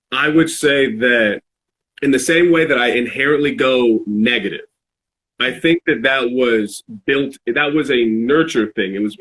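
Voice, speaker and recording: Guy on a podcast, medium pitch, kinda halting and thoughtful, casual chat. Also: a bit bright, poor audio. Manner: halting, searching for words, self-reflective. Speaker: podcast speaker.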